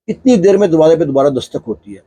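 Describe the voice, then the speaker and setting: Husky-voiced man telling a story. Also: on the high side, big pitch swings, dark tone. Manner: conversational, filler-laden narrating. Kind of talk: casual spoken storytelling.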